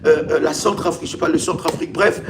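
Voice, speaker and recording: A man's voice: a little high, fairly even intonation, fast. A male pastor preaches on a live stream in an emphatic, repetitive way, with rhetorical questions and stammered restarts. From Congo. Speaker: pastor, ministry leader. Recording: faint background noise, live stream.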